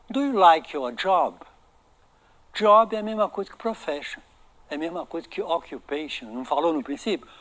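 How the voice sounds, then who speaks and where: A Brazilian man giving an online English lesson, his voice sitting slightly high. He reads each dialogue line slowly and clearly so his students can copy the sounds. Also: a bit bright. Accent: Brazilian Portuguese. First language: Portuguese. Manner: reads English lines slowly for pronunciation practice. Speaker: English teacher.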